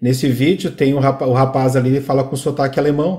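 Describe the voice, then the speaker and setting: A man's very fast, somewhat breathy speech with a dark, mellow tone and fairly even intonation. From Brazil. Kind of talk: casual talk to camera.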